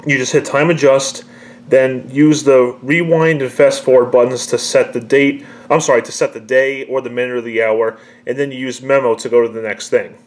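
A man's voice: mid-range voice, flat delivery, normal speed. Man giving a casual demonstration. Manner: conversational, explanatory, step-by-step. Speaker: presenter demonstrating an old answering machine. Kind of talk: casual unscripted product demonstration.

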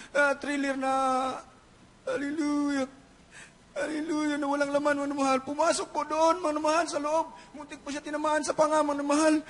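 High-voiced guy testifying in church, keeps shouting hallelujah, kinda monotone. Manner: fervent, repeated hallelujahs and frequent shouting. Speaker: church member giving testimony. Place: large church hall.

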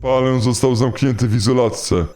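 A man putting on a disguised deep voice to play a bossy male security guard in a game. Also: fairly even intonation, normal speed, a little mellow, natural voice. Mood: stern guard. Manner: bossy, threatening, hesitant.

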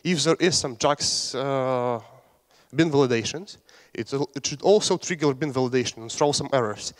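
At normal speed and medium pitch, a young man from Latvia gives a relaxed, joking technical talk from a conference stage, with fillers and restarts. The large hall leaves reverb on the recording.

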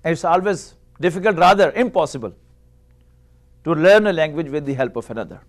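A middle-aged man whose first language is Urdu, giving a classroom lecture on a lapel mic in a small room, measured and explanatory, posing rhetorical questions. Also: on the high side, lively intonation. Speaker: Arabic teacher.

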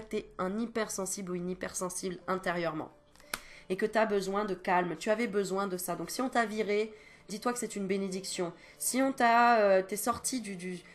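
A French-speaking woman giving a casual, reassuring card reading to camera, talking in a chatty way with many fillers and sighs, coughing now and then. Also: medium pitch. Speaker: card reader and medium.

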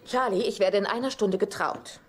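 A woman's voice: medium pitch, moderate pace, over a noisy crowd, very noisy, lightly acted. An actress in a German sitcom dub playing a young bride exasperated with her ex. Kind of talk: German-dubbed sitcom acting.

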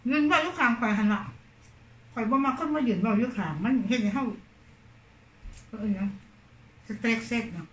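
A woman with an Isan accent, casually telling a story from her day to her viewers in a chatty, animated way. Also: on the high side, brisk, pauses often, reverberant. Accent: Isan (Northeastern Thai). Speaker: vlogger.

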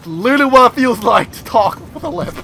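A young man with a lisp giving casual let's play commentary, excitable and swearing a lot. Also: extremely high pitch, quick pace, creaky. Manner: excitable, swears constantly, self-deprecating. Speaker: gaming video host.

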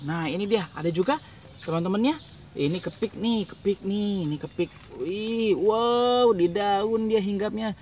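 A man's voice: high voice, recorded from a distance, highs cut off. A man reading a picture book aloud to a small child, using exclamations, sound effects and simple repeated phrases. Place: outdoors on a playground swing in a residential park. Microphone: camera a short distance away. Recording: outdoor noise, voice off from mic.

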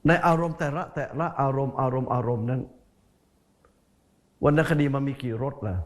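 Folksy Buddhist monk preaching. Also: male voice, medium pitch, moderate pace. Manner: folksy, repeats words for emphasis; speaks to listeners directly as "sir". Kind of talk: sermon.

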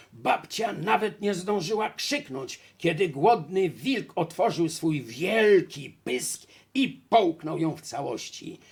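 A man narrating a fairy tale in a slow, expressive way. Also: on the high side, vocal fry, breathy edge. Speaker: storyteller.

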